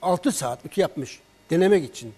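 A man telling a patient's story on a health program, lively and acting out both sides of the phone calls. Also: on the high side, normal speed, husky. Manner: animated storyteller, acts out patient's and his own words in dialogue. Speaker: herbal remedy expert on a broadcast.

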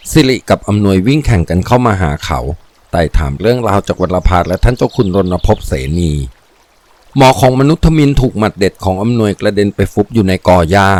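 A man narrating a crime adventure novel in a steady, vivid storytelling voice. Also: on the low side. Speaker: audiobook narrator. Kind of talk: dramatic audiobook reading.

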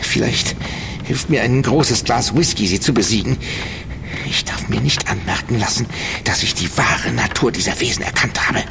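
A man's voice: medium pitch, normal speed, vocal fry, noisy background, natural voice. An actor playing a feverish, haunted nobleman who is losing his mind, in a radio drama. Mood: horrified. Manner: haunted, feverish, erupting into screams. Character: aristocrat Sir Trellos sliding into madness. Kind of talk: German radio drama acting.

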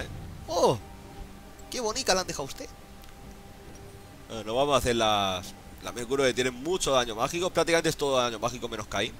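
A man giving excited gameplay commentary as a streamer, exclaiming, laughing and swearing often. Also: on the high side. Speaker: gaming streamer.

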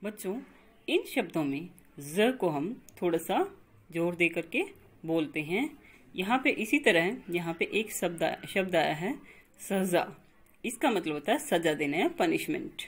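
A woman teacher walks young pupils through a grammar exercise, patient and repetitive. Her voice sits low and a little husky. She speaks at a very unhurried pace. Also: big pitch swings. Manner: patient, explains slowly and repeats words. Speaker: school teacher. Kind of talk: recorded online grammar lesson.

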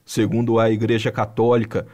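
A man with a Brazilian Portuguese accent reading a scripted news voice-over in an even, measured way. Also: fairly low pitch. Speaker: news narrator.

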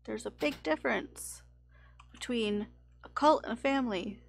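A woman's voice: a little high, moderate pace, creaky, a little hiss or hum. A woman giving casual gameplay commentary, muttering offhand remarks to herself as she plays. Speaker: video game player.

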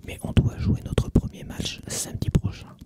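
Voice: moderate pace, natural voice. A reader whispering the part of a determined, hot-headed schoolboy in a storybook reading. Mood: protesting. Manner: whispered throughout.

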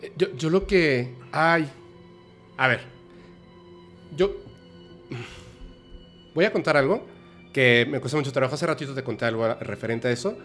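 Guy hosting a podcast, halting emotional storytelling, faint music under it. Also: mid-range voice, a bit bright. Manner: halting, emotional, many restarts. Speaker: podcast host.

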